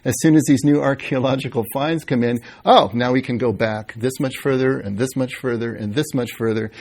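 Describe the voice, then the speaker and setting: Gravelly-voiced man giving a casual lecture. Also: medium pitch, steady tone, fairly quick, a little mellow. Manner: conversational, thinking aloud with fillers and restarts. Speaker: Bible history teacher. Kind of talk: informal lecture with questions.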